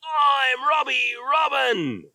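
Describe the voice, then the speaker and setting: A man voicing a feisty, boastful, territorial little robin from a children's storybook, chanting loudly with drawn-out words. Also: extremely high pitch, very animated, dry recording, pitched above the performer's own voice, heavily acted. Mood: boastful, defiant.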